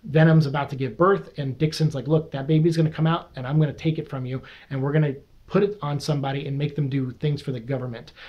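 A man's somewhat breathy voice, fairly quick in pace, with fairly even intonation. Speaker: comic book reviewer. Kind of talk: casual review commentary. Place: home room. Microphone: webcam.

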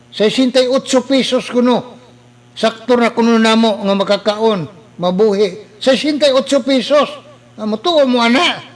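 Speech moves at a very slow pace with ordinary pitch variation over noticeable background noise. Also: man, extremely high pitch for a man. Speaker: local political commentator. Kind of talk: political rant. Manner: animated.

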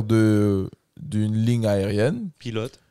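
Against a quiet background, a man speaks at a very slow pace in a dry sound with no echo. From Montreal, Côte-des-Neiges; Montreal. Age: 20s. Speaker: rapper; podcast guest. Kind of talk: casual chat. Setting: studio. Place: studio. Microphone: studio mic.

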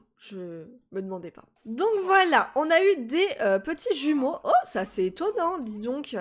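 Music plays in the background. A woman speaks with very wide pitch swings. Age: 20s. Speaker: gaming YouTuber. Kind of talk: casual talk to camera, gameplay commentary.

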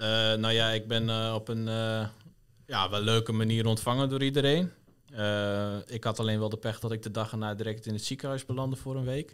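This man has an ordinary speaking voice at a medium pitch. He talks at a fairly quick pace with fairly even intonation. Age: 20s. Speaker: communications intern. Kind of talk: casual chat.

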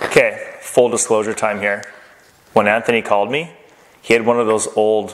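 A moderate pace over light background noise. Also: man. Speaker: welding instructor. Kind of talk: casual tutorial talk to camera. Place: workshop. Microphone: lapel.

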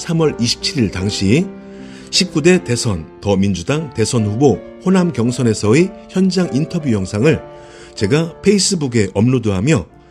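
Over music in the background, a man speaks fairly slowly at a medium pitch, his pitch swinging very widely. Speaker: real estate agent. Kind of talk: scripted narration to camera.

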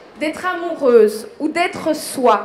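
A woman's high-pitched voice moves through very wide pitch swings. There's audible room echo and light background noise. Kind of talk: eloquence contest declamation. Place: stage.

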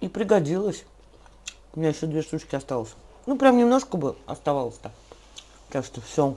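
Her pitch is very deep and low for a woman. This woman speaks at a moderate pace. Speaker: home video blogger. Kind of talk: casual vlog chat while eating. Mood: warm, chatty, laughing. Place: kitchen. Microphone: phone near.

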